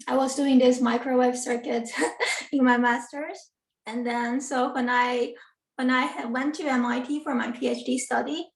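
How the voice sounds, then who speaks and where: Woman, from a distance. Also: on the high side. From Taiwan. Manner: earnest, with frequent ums and self-corrections. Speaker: guest lecturer, assistant professor. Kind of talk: academic talk on a video call. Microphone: video call computer mic. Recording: roomy, distant from the mic.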